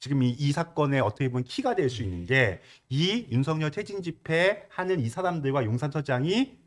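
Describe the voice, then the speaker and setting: A man's voice: on the high side, very animated, a little fast. A male commentator on a talk show who lays out his own speculative scenario at length. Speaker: political commentator. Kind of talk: casual panel talk show.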